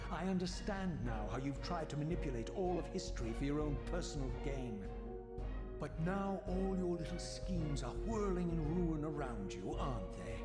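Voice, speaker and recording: An actor playing a proud, scornful undead spirit of vengeance in a video game, speaking with sardonic, theatrical precision. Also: male voice, medium pitch, close to an everyday voice. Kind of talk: dramatic video game voice acting. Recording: echoey long reverb, game music behind.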